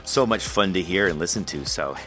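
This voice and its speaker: Male podcast host, low pitch, crisp bright delivery, rambling friendly chat. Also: expressive, fairly quick, soft background music. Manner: friendly, rambling, laughs often. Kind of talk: casual interview chat.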